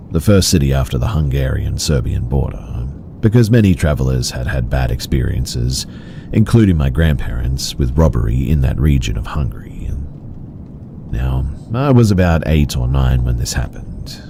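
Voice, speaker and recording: A man narrating first-person horror stories in a slow, measured, somber way. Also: very deep voice, lively intonation, vocal fry, noisy background.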